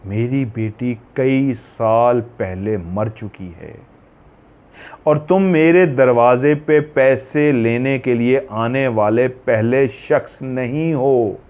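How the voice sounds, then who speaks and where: A sorrowful old father in a told ghost story, as a male narrator puts him on. He speaks in a hushed, unhurried way, at an ordinary male pitch. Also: muffled recording, lightly acted. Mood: grave. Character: grieving old father of a dead girl.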